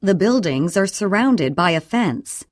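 A woman's voice: lowish voice, no room sound, clean studio sound. Woman reading English drill sentences. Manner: clear, even, deliberate reading. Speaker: English audio reader.

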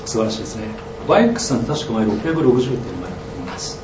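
Male co-host, fast and lively delivery, polite, in an echoey room with noise. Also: medium pitch. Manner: polite, apologetic, quick. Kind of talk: casual chat. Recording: roomy, distant, dull and noisy.

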